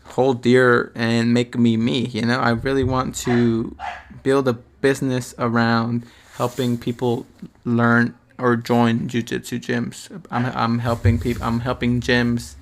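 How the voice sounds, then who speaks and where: Gravelly young man musing casually. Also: medium pitch, completely flat delivery, slow, a little hiss or hum. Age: 20s. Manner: rambling, slangy, swears, many restarts. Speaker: podcast host. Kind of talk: casual reflective solo monologue.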